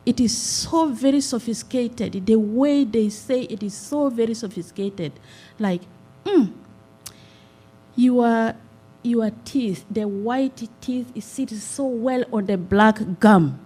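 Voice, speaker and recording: A middle-aged woman from South Sudan speaks in an unhurried, earnest and measured way, pausing often on "uh". Her voice has a mellow, soft tone. She addresses a town hall meeting through a handheld microphone. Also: on the high side, slightly rough. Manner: earnest, measured, with many "uh" pauses. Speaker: community nonprofit representative. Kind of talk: town hall public comment.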